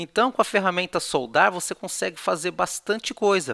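A man's high-pitched voice, bright and sharp in tone, at a moderate pace, with a dry, close sound, no echo and a very clean recording over a silent background. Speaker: software course instructor. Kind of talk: tutorial. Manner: casual, conversational.

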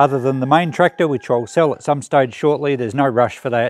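Heard against a quiet background with dry sound and no echo, a man talks with ordinary pitch variation. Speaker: farm owner vlogger. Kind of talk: casual vlog chat. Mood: relaxed, pleased. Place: farm machine. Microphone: phone near.

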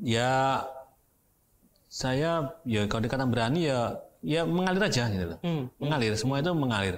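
A man speaks in an ordinary speaking voice at medium pitch and a moderate pace, with lively intonation and very even loudness. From Jakarta, Indonesia. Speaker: regency head candidate, politician; candidate, politician. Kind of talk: TV interview. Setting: studio. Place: studio. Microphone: lapel.

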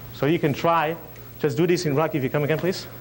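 There is light background noise as a man talks at a moderate pace. His fairly high pitch moves in very wide swings. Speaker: martial arts instructor. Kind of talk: seminar demonstration. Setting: stage with audience. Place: hall.

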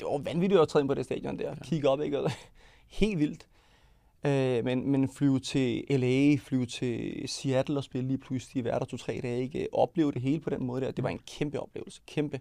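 A man speaks in a dark, mellow tone at a fairly high pitch and a moderate pace, with ordinary pitch variation. The sound is dry with no echo and the background is quiet. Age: 40s. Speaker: former professional footballer, football coach; podcast guest. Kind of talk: casual chat. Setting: studio. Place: studio. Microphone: studio mic.

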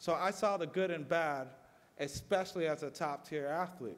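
The delivery moves at a moderate pace. Its pitch varies in an ordinary way. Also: man. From Miami, Florida (born in Jamaica). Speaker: aviator and educator. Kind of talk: motivational talk. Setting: stage with audience. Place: hall. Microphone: podium.

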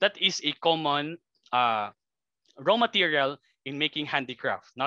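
In a Visayan Filipino accent, a man talks with a bright, sharp tone, the sound dry with no echo and the background quiet. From Philippines, Mindanao. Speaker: biology professor. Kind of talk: lecture. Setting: video call. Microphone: video call.

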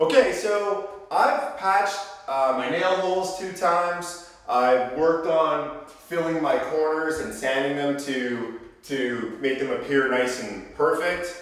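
Strong room echo surrounds a man speaking at a very slow pace. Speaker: construction instructor. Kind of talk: tutorial. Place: home room.

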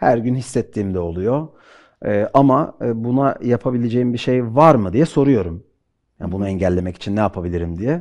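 With lively intonation, a man talks at a moderate tempo against a quiet background. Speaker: choir conductor; guest. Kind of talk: interview conversation. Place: studio. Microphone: headset.

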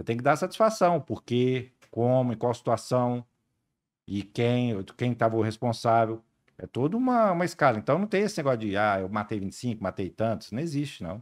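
Against a quiet background, a man speaks at a moderate pace with a medium pitch and lively intonation. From Brazil, São Paulo area; Brazil. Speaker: US Army sergeant, combat veteran. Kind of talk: casual podcast interview. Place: studio. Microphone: studio mic.

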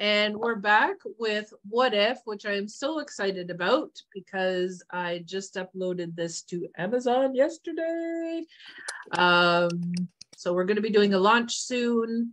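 A woman speaks at a fairly slow pace with lively intonation, the background quiet. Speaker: host. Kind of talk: conversational interview chat. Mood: excited, upbeat. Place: home room. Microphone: video call.

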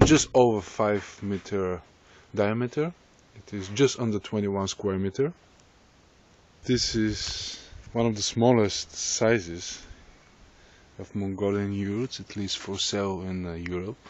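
Talking at a fairly slow pace with long, frequent pauses, a man shows big swings in loudness and ordinary pitch variation in a dry sound with no echo. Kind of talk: home tour explanation. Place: home room.

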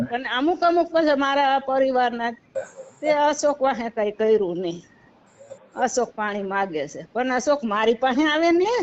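Lively intonation in a woman's high pitch. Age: 60s. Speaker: caller. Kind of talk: phone-in conversation. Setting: phone call.

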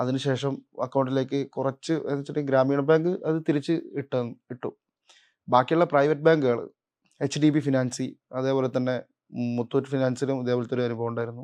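Intonation stays monotone and flat against a quiet background. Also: man, medium pitch for a man. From Wayanad, Kerala. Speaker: jeep driver, landslide survivor. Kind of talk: interview testimony. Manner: halting.

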